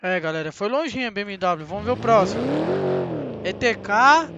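A young man with a Brazilian Portuguese accent giving chatty, excitable commentary on a driving game straight to his viewers. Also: sits high, normal speed, lo-fi sound, a little hiss or hum. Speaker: gaming channel host. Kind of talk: casual gameplay commentary.

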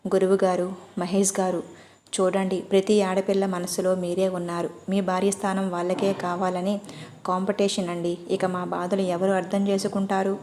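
A woman's voice: mid-range voice, monotone, normal speed, dark tone, a little hiss or hum, close to an everyday voice. A woman playing a cheeky eighteen-year-old girl. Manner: playful, pleading. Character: cheeky runaway girl of eighteen, quick fibber.

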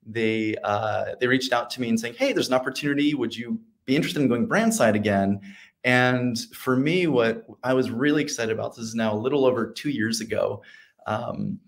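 A man in his thirties, a guest on a video call, telling his career story in a relaxed way with many ums and restarts. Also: mid-range voice, moderate pace, creaky. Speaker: guest speaker, creative leader. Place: home office with bookshelves, virtual background.

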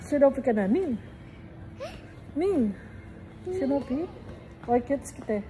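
A woman's voice: high voice, animated, slow, dark tone, soft background music. A Filipino woman chatting casually in an exclamatory, playful way, with a Filipino accent and Tagalog as her first language. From Philippines. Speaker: vlogger. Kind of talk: casual family vlog chat. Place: indoors in a hotel lobby, corridors and room. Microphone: handheld phone. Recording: handheld phone recording with slight background noise.

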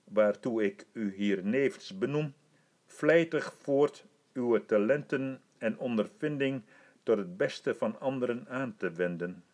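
A man reading an audiobook, voicing a gracious, commanding older emperor who speaks in a formal, measured way. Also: mid-range voice, darkish tone, natural voice. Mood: stately.

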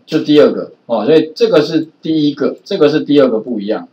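In this recorded classroom lecture, the programming instructor speaks quickly and expressively at a medium pitch, his Taiwanese Mandarin accent clear and his talk loose and full of filler particles. The sound is lo-fi, dull, distant and roomy.

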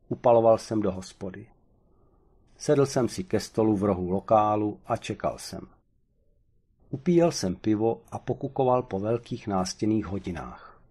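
Husky low-voiced male storyteller. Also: warm tone. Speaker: audiobook reader. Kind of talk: first-person storybook narration.

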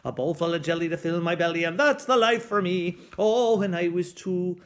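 A man doing a loud, exaggerated pirate voice while singing a sea shanty for children. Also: high voice, animated, normal speed. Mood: singing boisterously. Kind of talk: children's song performance.

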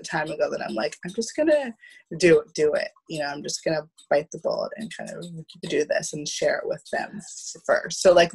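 A woman's voice: low voice, gravelly, breathy edge, low-quality recording. A woman in her thirties explaining things casually as a panel guest on a video call, often restarting words. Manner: halting, often repeats word beginnings. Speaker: panel guest, theatre producer. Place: plain room at home, indoors. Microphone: video call with headset.

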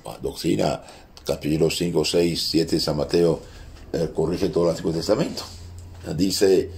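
Priest with a French accent, very low voice, halting catechism teacher who quotes scripture. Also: male voice, darkish tone. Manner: halting, with many restarts, quoting scripture aloud. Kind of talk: catechism lesson.

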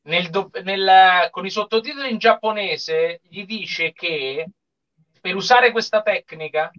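A man's voice: sits high, takes it slowly, a bit bright. A man giving casual commentary in a group anime watch-along over a video call. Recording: dull, lo-fi video-call audio.

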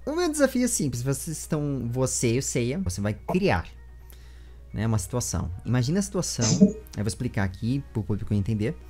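Young man, Brazilian accent, interview host, lively swooping intonation, rambling, close desk mic, faint music. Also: mid-range voice, a little fast. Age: 20s. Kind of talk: casual conversational interview. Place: small room with bookshelves at home. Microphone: large desk microphone with foam windscreen, close.

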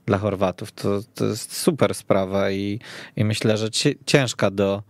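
Male sports podcast panelist, moderately low voice, casual discussion, dry radio studio. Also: steady tone, unhurried, dry recording.

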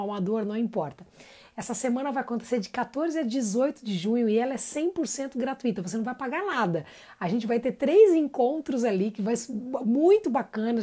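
A woman's voice: on the high side, slightly rough. Chatty woman singing teacher. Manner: warm, chatty, greets viewers by name. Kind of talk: live-streamed singing lesson.

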